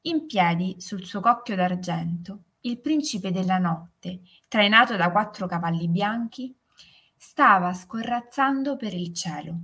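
A woman narrating a fairy tale in a calm, soothing way. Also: medium pitch. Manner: slow, soothing, gently emphatic. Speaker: storyteller.

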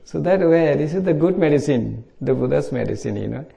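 At a meditation retreat, a middle-aged monk from Bangladesh talks informally about the dharma in simple, Bangladeshi-accented English. His voice is on the high side and mellow with vocal fry, and he speaks fairly quickly and animatedly.

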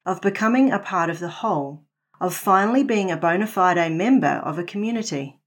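A middle-aged woman with a New Zealand accent, hosting a Christian podcast and reading a devotional reflection in an earnest, measured way. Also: medium pitch. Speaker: podcast host, Christian blogger.

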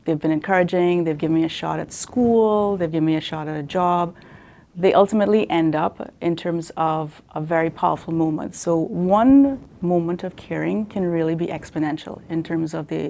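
Earnest low-voiced woman from Trinidad. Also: vocal fry, dark tone. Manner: earnest, frequent ums and restarts. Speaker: guest, nonprofit CEO. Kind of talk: conversational interview answers.

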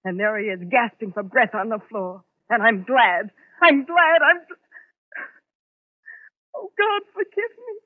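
An actress playing a cold, bitter young secretary bent on revenge, with an intense, melodramatic manner in a 1940s radio drama. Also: female voice, medium pitch, sing-song, brisk, few pauses, no echo. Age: young adult. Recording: dry, tinny 1940s radio recording.

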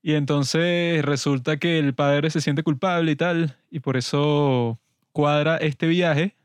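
Male podcast host: smooth, dry close-mic voice, wry deadpan film chat. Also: on the high side, slow, dry recording. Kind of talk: casual film review chat.

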